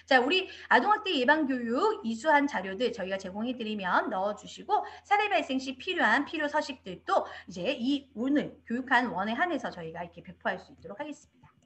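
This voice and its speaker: A woman giving an online training lecture to childcare staff, in an animated instructive way, now and then acting out quoted speech. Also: on the high side, brisk. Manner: animated instructive delivery, acts out quoted parents and teachers. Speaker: lecturer on child abuse prevention. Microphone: video call.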